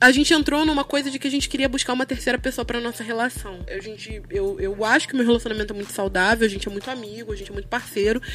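Over noticeable background noise, a woman with a high pitch talks very fast and hardly pauses, her intonation lively and her loudness swinging widely. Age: 20s. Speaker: social scientist. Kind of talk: casual chat.

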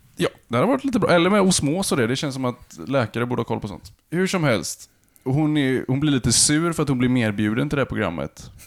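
Lively intonation marks this man's plain, everyday voice, at medium pitch and a fairly quick pace. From Sweden, Malmö (Skåne). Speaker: podcast co-host. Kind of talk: casual chat.

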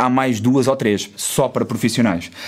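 The speaker is a man with a medium-pitched voice. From northern Portugal, Porto. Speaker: traveller. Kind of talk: casual interview. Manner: halting, with many repeated words.

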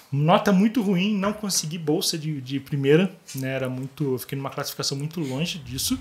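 A man at a fairly quick pace with lively intonation, amid noticeable background noise. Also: fairly high pitch for a man. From Rio de Janeiro, Brazil. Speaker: engineer and business owner. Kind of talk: casual interview chat.

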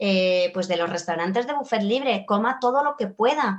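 With lively intonation and a moderate pace, a woman talks in an ordinary speaking voice. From Spain, raised from childhood after birth in Argentina. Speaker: nutritionist. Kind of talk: interview.

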